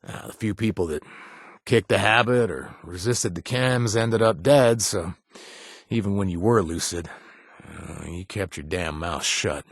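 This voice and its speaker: A remorseful ex-gang bartender. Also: male voice, low-pitched, unhurried, no room sound, clean studio sound. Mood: confessional. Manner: casual, wry, trails off with uh and quiet confessions. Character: male ex-gang bartender, remorseful former addict. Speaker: companion character. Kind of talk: video game voice acting.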